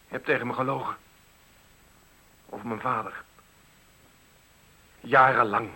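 An actor playing a hurt, accusing teenage son in a Dutch radio play, passionate and confused, with intense, confrontational delivery. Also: male voice, medium pitch, steady tone, a little slow, pushed and bright, poor audio.

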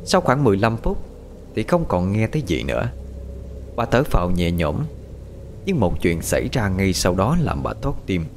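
A man reading a horror story aloud as a narrator, steady with lively intonation. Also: low-pitched, moderate pace, creaky, slight background noise. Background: faint background music.

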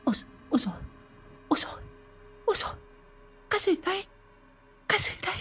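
A man's voice: high-pitched, very animated, a little slow, vocal fry, warm tone, husky, faint music behind, voice pushed up, heavily acted. A man playing a frightened village wife. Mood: panicked.

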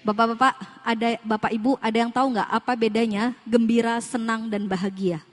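Speaking a little fast in a high, bright voice, a parenting seminar speaker gives an animated Islamic parenting talk to a room of parents. She throws rhetorical questions at them and slips into quoted voices to make her points, with music clearly audible behind her.

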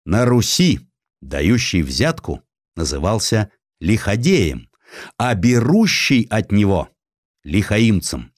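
A man reading a historical story as an audiobook narrator, in a measured, expressive literary style. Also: fairly low pitch, no room sound, clean studio sound.

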